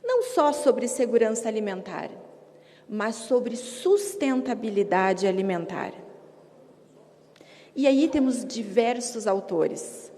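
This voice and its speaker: A woman's voice: fairly high pitch, expressive, slow pace, dark tone. A woman gives a formal advocacy speech to a council, emphatic and rhetorical, in short repeated phrases. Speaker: advocate addressing city council. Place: council chamber. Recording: echoey hall reverb.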